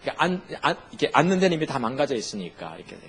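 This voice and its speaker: A man's voice: mid-range voice, big pitch swings, racing, fairly bright tone, a little hiss or hum. A man preaching a sermon as a pastor, asking the congregation questions and answering them himself.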